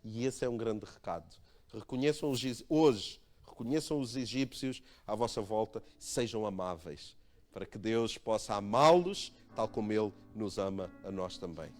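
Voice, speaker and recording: A male pastor with a European Portuguese accent, giving a conversational sermon built around a personal story. He tells it in a lively way, laughs at himself and acts out the dialogue. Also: on the low side, moderate pace. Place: church.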